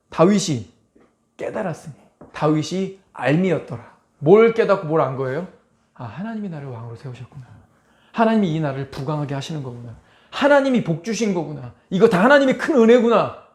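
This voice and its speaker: With a fairly high, slightly mellow voice, a man pastors his congregation through an emphatic sermon. He peppers them with rhetorical questions and performs quoted voices in dramatic asides.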